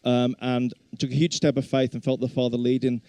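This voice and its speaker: A middle-aged man with a Black Country accent speaks to a congregation in a relaxed, mellow voice. The sound is close and dry. He preaches informally and chattily, with self-deprecating humour. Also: mid-range voice, fairly quick, clean tone, no echo. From English Black Country. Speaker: guest preacher and worship leader.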